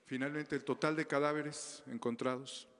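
A man's voice: medium pitch, steady tone, moderate pace, fairly bright tone. A middle-aged man, a reporter putting questions at a press conference. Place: large indoor press conference hall. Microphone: handheld microphone. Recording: reverberant hall, handheld microphone.

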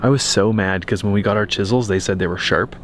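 A man's voice: lowish voice, fast, slight background noise. A man, the homeowner, chatting casually on camera at an outdoor building workshop and telling stories in a rambling way. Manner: rambling, animated storytelling.

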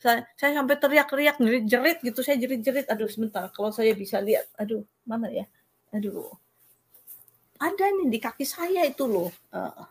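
A woman giving a personal faith testimony in an interview, telling her story in an earnest, halting way over a video call. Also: a little high, animated, husky.

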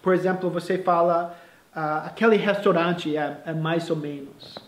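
A male English teacher explaining phrases, slowly and with restarts, in a casual lesson. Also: fairly high pitch, fairly even intonation, roomy sound, slight background noise.

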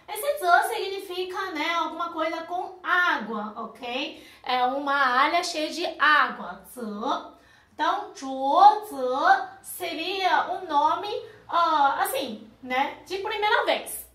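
A woman's voice: extremely high pitch, fairly bright tone, reverberant. A woman, a Mandarin speaker, teaching a language lesson in a patient way and often checking in with her listeners. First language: Mandarin Chinese. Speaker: Chinese teacher.

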